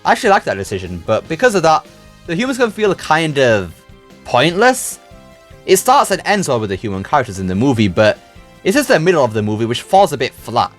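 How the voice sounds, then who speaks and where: A man giving a scripted but conversational film review as a video host, with casual, opinionated phrasing. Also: on the high side.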